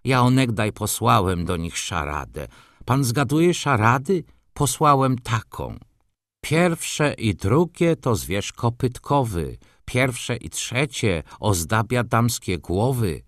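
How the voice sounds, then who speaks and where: A man's voice: medium pitch, very animated, slow, no echo, clean studio sound, voice pushed up. A man voicing an elderly, grey-bearded Jewish moneychanger who chats and complains in broken, old-fashioned grammar. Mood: grumbling, chatty.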